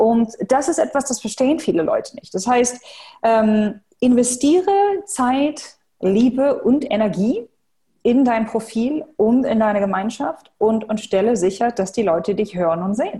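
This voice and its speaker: A fairly high-pitched woman with a dark, mellow tone speaks at a fairly slow pace with lively intonation. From Germany, Hanover. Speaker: personal branding expert, keynote speaker. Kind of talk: interview.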